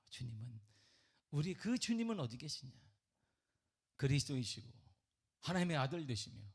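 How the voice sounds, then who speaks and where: A man preaching a sermon at a church prayer meeting, with animated rhetorical questions and sudden drops to a near whisper. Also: mid-range voice, slightly rough. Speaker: pastor. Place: church sanctuary.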